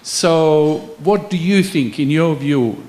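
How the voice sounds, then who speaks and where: A man from Bosnia, asking a panel a long, measured question from the floor. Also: a little high, darkish tone. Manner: measured, searching for words. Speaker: audience member asking a question.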